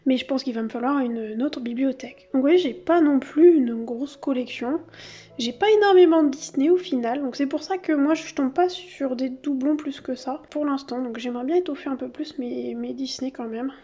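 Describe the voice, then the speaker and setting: A woman's voice: high-pitched, moderate pace, dark tone, husky, highs cut off. A woman vlogging casually from her home office. She chats as she shows her collection, with many fillers and self-corrections. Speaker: craft vlogger. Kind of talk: casual show-and-tell vlog. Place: home office under yellow artificial light.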